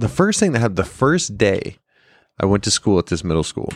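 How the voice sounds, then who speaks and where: Fairly low in pitch, a man with an ordinary speaking voice uses lively intonation, recorded with a dry, close sound with no echo. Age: middle-aged. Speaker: podcast co-host, martial artist. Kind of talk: casual chat.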